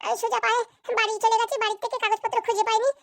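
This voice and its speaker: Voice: extremely high pitch, flat delivery, very fast, gravelly, fairly bright tone, exaggerated voice. A performer voicing a meek, evasive young wife in a Bangla comedy cartoon, placating and protesting. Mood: pleading.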